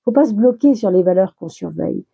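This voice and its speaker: A woman talking through a tarot reading in a chatty, reassuring way, slowing down and restarting as she recovers from a small illness. Her voice is very dark and mellow, with a breathy, husky edge. The sound is a little dull, like a lo-fi home recording. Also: medium pitch, lively intonation. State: recovering from a minor illness, words slow. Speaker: tarot reader. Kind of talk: casual tarot reading for viewers.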